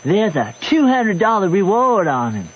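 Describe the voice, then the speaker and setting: A man's voice: sits high, big pitch swings, measured pace, slightly rough, heavily acted. An actor playing an eager, gossipy backwoods boy with a rustic American Southern dialect in a radio drama. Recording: muffled old radio recording, noisy.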